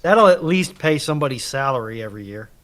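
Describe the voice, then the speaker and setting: A man's voice: medium pitch, animated, fast talker. A man taking part as a panelist in a casual chat.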